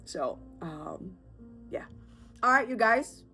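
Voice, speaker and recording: A woman's voice: mid-range voice, expressive, takes it slowly, music in the background. Congested woman chatting candidly on her podcast. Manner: candid, chatty, rambling with fillers and nervous laughs. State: congested, sick with a sore throat. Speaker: podcast host. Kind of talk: casual solo podcast talk.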